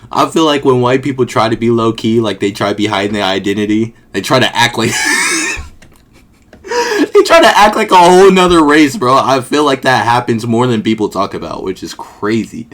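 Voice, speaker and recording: A young man streams a casual live reaction to a documentary, chatting in slang, swearing and talking back to the video. His mid-range voice is very animated and fairly bright, at normal speed.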